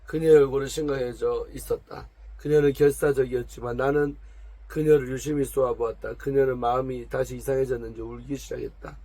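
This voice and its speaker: A man reading a story aloud for a church, in a measured voice. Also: medium pitch, steady tone, mellow, no room sound. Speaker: church reader.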